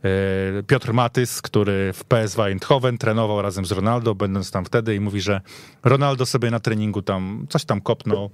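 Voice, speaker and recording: A man's voice: on the low side, fairly even intonation, normal speed, no room sound. A man chatting casually and emphatically about football as a guest on a studio show. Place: radio studio.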